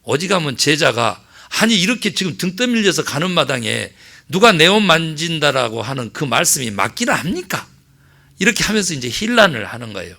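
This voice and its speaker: Lively, gravelly male pastor preaching. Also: fairly high pitch, brisk. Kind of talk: sermon.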